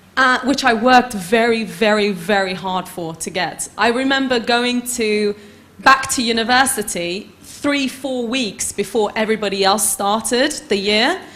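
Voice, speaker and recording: A woman's fairly high voice at a fairly slow pace, hardly any pauses, ordinary pitch variation, and audible room echo. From Iran and Sweden, then England from 13. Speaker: social entrepreneur. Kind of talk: conference talk.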